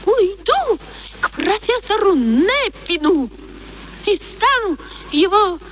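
A woman's voice: very high voice, very animated, slow, heavily acted. An actress playing a proud, passionate young woman in a radio play, theatrical and emotional. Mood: defiant. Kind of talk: Soviet radio play acting. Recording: old radio play recording, faint noise.

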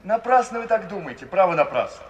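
High-voiced, mild courteous gentleman. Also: sing-song, fast talker, highs cut off, slight background noise. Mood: gently earnest. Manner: polite, pleading, deferential. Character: mild, courteous, kind-hearted gentleman, anxiously tactful. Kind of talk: 1950s Soviet radio theatre acting. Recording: old radio recording, long reverb, distant.

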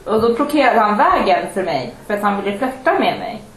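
A woman's voice: mid-range voice, very animated, a bit bright. A woman, a podcast guest telling candid anecdotes with wry asides. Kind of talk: casual chat. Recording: echoey room with faint background noise.

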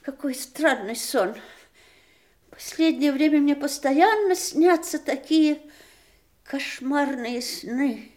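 An actress playing a troubled, polite woman in an audio drama, speaking in a deliberate, expressive storytelling manner. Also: sits high. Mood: shaken. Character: troubled, polite woman recounting a frightening dream. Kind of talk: audio stage drama, theatrical monologue.

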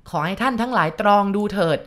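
A woman voicing a drunk, hot-headed male newspaper reporter who declaims loudly and slowly. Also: mid-range voice, animated, pitched above the performer's own voice. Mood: aggrieved. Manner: loud, slow declaiming.

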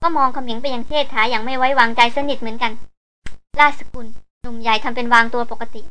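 A woman reading an adventure novel aloud as scripted narration, in a brisk, even storytelling read. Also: on the high side. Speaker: audiobook reader.

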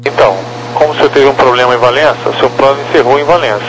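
A man's voice: mid-range voice, steady tone, rapid-fire, a bit bright. Male Brazilian controller on noisy radio. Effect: aviation radio. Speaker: air traffic controller. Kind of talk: procedural aviation radio talk. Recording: noisy humming air traffic radio.

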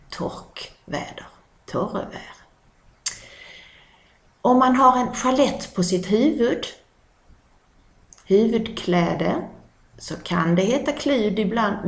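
A woman with a Scanian Swedish accent who teaches dialect vocabulary, saying each word slowly several times and explaining it. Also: mid-range voice, reverberant. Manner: repeats words slowly and explains them.

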